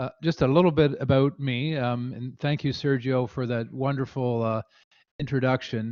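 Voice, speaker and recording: Fairly even intonation marks a man's medium-pitched speech. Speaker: industry analyst and consultant. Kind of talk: conference presentation. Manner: slow; halting.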